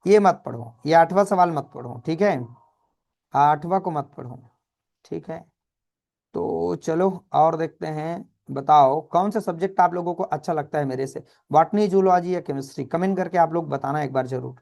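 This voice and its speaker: A man, teaching a brisk exam revision lesson and calling his students children. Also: fairly high pitch, creaky, darkish tone.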